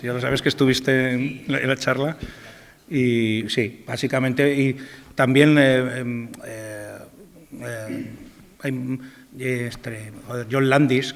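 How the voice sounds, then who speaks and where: A man's voice: medium pitch, a bit bright, big-room sound. A man from Spain's Aragon region, a composer answering an audience question with many hesitations and restarts.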